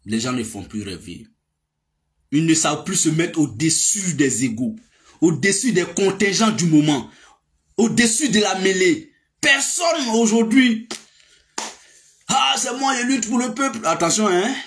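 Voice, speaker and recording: A man's voice: high voice, lively intonation, unhurried, fairly bright tone. A man, giving a casual political monologue with many fillers and emphatic outbursts. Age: 30s. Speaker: political commentator.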